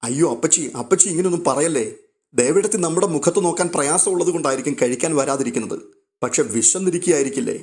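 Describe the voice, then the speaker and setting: A man voicing a caring young wife who pleads gently to keep the peace. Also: a little high, rapid-fire, natural voice. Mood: pleading.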